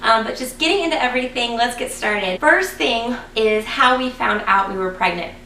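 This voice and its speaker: A woman vlogging casually to her viewers, chatty and excited, a little raspy and congested from a cold. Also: fairly high pitch, normal speed, distant mic, a little hiss or hum. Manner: chatty, excited, lots of ums. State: congested, getting over a cold. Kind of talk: casual vlog talking to viewers. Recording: echoey room, voice a bit off-mic.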